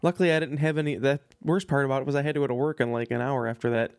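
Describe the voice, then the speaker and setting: A man co-hosting a podcast, telling stories in a casual, animated way. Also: mid-range voice, clean tone, dry recording, clean studio sound. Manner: quick, animated storytelling. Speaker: podcast co-host. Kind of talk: casual chat. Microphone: studio podcast mic.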